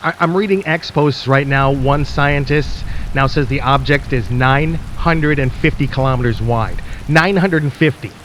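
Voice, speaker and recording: A man playing an anxious, ominous radio host in a radio drama, addressing listeners haltingly as the world ends. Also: medium pitch, fairly bright tone, a little hiss or hum, close to an everyday voice. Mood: alarmed, urgent. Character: anxious late-night radio host broadcasting through an apocalypse.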